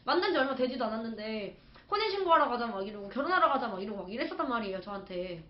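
A woman's voice: a little high, very animated, rapid-fire. A young woman chatting casually on a livestream, rambling through a personal story with lots of fillers. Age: young adult. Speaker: streamer's partner, guest. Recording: echoey lo-fi room sound.

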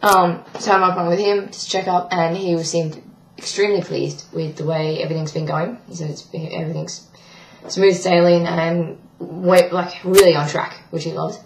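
A young trans man with a croaky, breaking voice, giving a rambling video diary update with many ums. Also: a little high, little pitch movement, moderate pace, roomy sound, a little hiss or hum, rough recording. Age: young adult. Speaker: vlogger. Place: small bedroom indoors. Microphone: webcam at desk.

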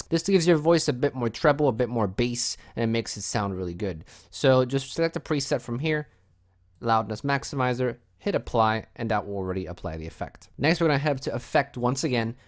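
A man narrating a software tutorial in a casual, explanatory step-by-step way as its host. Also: medium pitch.

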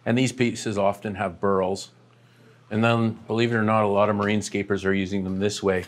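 A man's voice: fairly low pitch, normal speed. A middle-aged man, a shop owner, giving a casual walking tour of his large indoor aquarium shop and warehouse, talking with lots of "um" fillers. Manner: relaxed, many "um" fillers, pointing at products as he walks.

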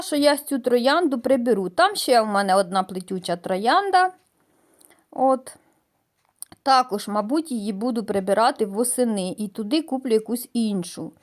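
A middle-aged woman from southern Ukraine talks in a chatty, homely way, stopping often for fillers and small hesitations. Her voice sits a little high for a woman. She sounds relaxed and conversational, like a casual vlog. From Mykolaiv region, Ukraine. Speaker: gardening vlogger. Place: outdoors in a village garden. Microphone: voice-over added after filming.

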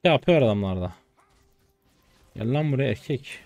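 A man in his twenties streaming his gameplay, chatty and excitable, trash talking in slang and breaking into sudden high-pitched outbursts. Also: normal speed, soft background music. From Turkey. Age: 20s. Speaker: game streamer. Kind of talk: live gameplay commentary.

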